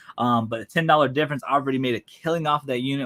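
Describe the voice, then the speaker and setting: A man's medium-pitched voice in a Southern US accent, very fast in pace, with fairly even intonation. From US South, Savannah, Georgia. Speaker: online reseller and YouTuber. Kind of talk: casual live stream chat. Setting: live stream. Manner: stutters sometimes.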